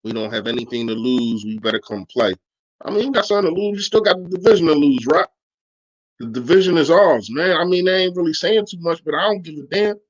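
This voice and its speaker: A man's voice: on the high side, expressive, fast, highs cut off. A man hosting a sports podcast, arguing his points emphatically in casual, slangy chat while answering his live audience.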